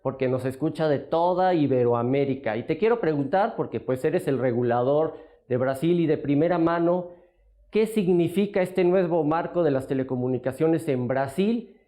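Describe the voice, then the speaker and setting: Male studio interviewer, soft dark timbre, pitched a little high. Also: moderate pace.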